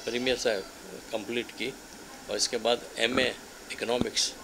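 Noticeable background noise surrounds a man speaking with monotone, flat intonation. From Pakistan, Karachi; Pakistan. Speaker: lawyer and spiritual figure; lawyer. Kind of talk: interview. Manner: slow, soft-spoken. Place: home room. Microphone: handheld.

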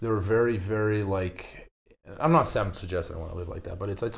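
A man with a fairly low pitch speaks at a fairly quick pace in a somewhat breathy voice. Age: 30s. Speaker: jiu-jitsu world champion and podcast co-host. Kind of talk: casual chat.

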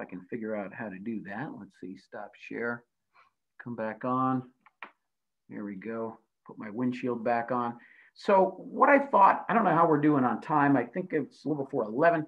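The delivery has long, frequent pauses, ordinary pitch variation and big swings in loudness, set against a quiet background. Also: man. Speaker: transportation planning agency spokesperson, former radio news anchor. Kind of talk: invited presentation with Q&A. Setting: video call. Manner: fast talker. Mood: relaxed, conversational. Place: home room. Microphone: video call.

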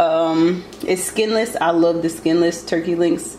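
A woman with a fairly low pitch speaks at a fairly slow pace with ordinary pitch variation and an unremarkable speaking voice, over light background noise. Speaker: home cook vlogger. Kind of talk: casual cooking tutorial. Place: kitchen. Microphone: phone near.

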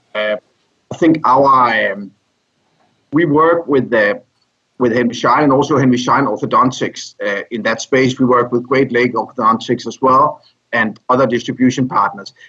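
In a Danish accent, a man speaks at a moderate pace and medium pitch with ordinary pitch variation. His tone is bright and sharp against a quiet background. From Denmark. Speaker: dental tech company executive; guest. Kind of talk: interview; interview answer. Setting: dental convention in Chicago. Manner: halting, many fillers. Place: home room. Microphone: video call.

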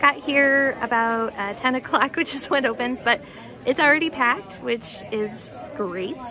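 Over noticeable background noise, a woman uses a raised, projected voice, the sound dry with no echo. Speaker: illustrator vendor. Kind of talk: casual vlog chat. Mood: cheerful. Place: hall. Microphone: phone near.

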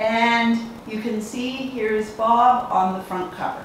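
A woman at a very slow pace, with strong room echo and light background noise. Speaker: teacher reading to pupils. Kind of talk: storytelling read-aloud to children. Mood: warm, encouraging. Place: home room. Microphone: camera far.

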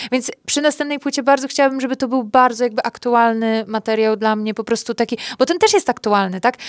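The speech is very fast with fairly even intonation. The sound is dry with no echo, over a quiet background. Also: woman. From Poland, Białystok (Podlasie); Poland. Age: 20s. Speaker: jazz singer; guest. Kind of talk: radio interview. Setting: radio studio. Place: studio.

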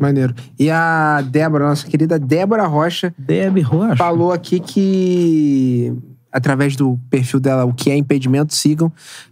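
The man speaks at a moderate pace with ordinary pitch variation. His loudness stays very even. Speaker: sports podcast co-host. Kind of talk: sponsor read. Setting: studio. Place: studio. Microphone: studio mic.

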